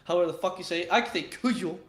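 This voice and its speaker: A man's voice: high voice, flat delivery, very fast, fairly bright tone. A man with a Swedish accent chatting casually with viewers on a livestream, rambling and swearing, with frequent restarts. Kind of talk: casual chat.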